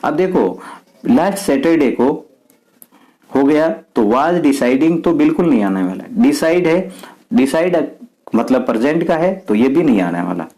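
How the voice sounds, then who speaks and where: With a slightly high, animated voice and a dark tone, this man from Rajasthan, India, goes a little slowly through an exam paper for his students. He explains step by step and answers his own questions, all on a low-quality recording.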